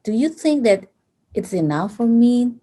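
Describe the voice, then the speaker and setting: A woman with a strong East Asian accent who speaks English as a second language, asking casual questions haltingly as a language student. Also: on the high side, sing-song, warm tone. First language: non-native English speaker. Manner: halting, searching for words.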